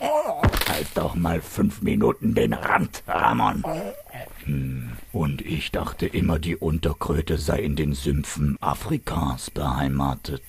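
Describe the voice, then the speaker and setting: Over clear background noise, a man with a very deep, low pitch speaks at a fairly slow pace. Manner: bossy, gullible, irritable.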